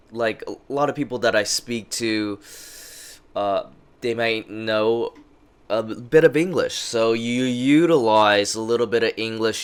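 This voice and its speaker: A man vlogging casual advice in a slow, halting way, with many fillers and restarts. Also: on the low side, clear, resonant tone. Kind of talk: casual talking-head advice. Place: lives in Japan. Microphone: interview microphone.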